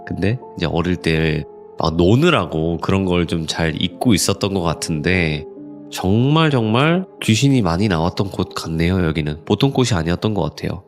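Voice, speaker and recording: A man hosting a horror story channel, reacting with enthusiasm to his guest's story. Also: low voice. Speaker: host of a horror radio channel. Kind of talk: casual podcast chat.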